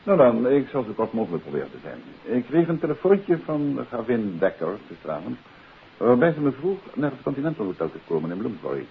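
An actor playing a shrewd, courteous detective in a 1950s Dutch radio play, measured and probing. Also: male voice, medium pitch, big pitch swings, vocal fry. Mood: composed. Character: shrewd male amateur detective, composed and probing. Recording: muffled, hissy old radio recording.

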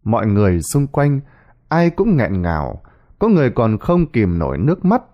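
A man's voice: medium pitch, huge pitch swings, normal speed, lo-fi sound. A man narrating a scripted horror story with a dramatic delivery.

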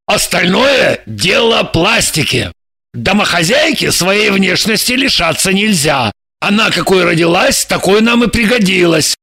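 A man's voice: high voice, expressive, unhurried, exaggerated voice. A man voicing a blunt, impatient male spy handler in his thirties, reading an audiobook. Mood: explaining. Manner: blunt, impatient, gravelly and shouting.

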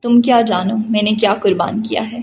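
A woman's voice: fairly high pitch, steady tone, muffled recording, slight background noise, lightly acted. A woman voicing a serious, commanding man. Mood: firm. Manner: firm, authoritative.

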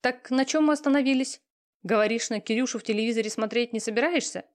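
A woman voicing a pushy, talkative young female friend who teases and lectures loudly. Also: on the high side, fast talker, voice pushed up, natural voice. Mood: bossy. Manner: loud, teasing, talkative.

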